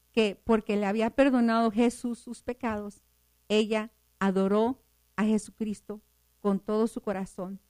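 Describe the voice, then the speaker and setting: A woman's voice: a little high, a little mellow. A woman from El Paso, Texas, hosting a Christian radio talk show in a fervent, preachy, upbeat way. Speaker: radio host.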